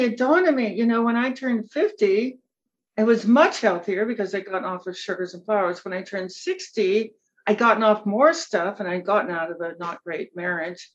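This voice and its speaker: Woman, 70s, animated podcast guest, slightly dull audio. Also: fairly high pitch. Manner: animated, bursts of emphatic enthusiasm. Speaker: nutrition expert guest. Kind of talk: podcast conversation.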